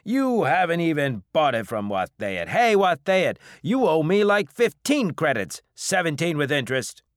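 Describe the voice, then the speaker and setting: Man doing a loud, high, grumbling alien barfly. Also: big pitch swings, moderate pace, dry recording, clean studio sound. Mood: indignant. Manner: loud, complaining. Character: rowdy, grumbling alien barfly owed money.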